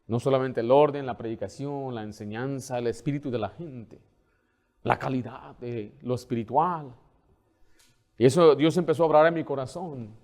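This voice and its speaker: A male pastor preaching a sermon. He asks questions and answers them himself, slows down to read scripture, and moves between soft asides and loud, urgent appeals. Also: mid-range voice, fairly even intonation. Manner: swings from soft asides to loud, pressing exhortation.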